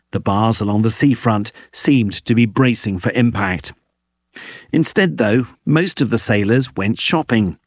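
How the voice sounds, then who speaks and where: A man reading a scripted radio dispatch as a foreign correspondent, in a measured, wry way. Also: fairly low pitch, dry recording, studio quality.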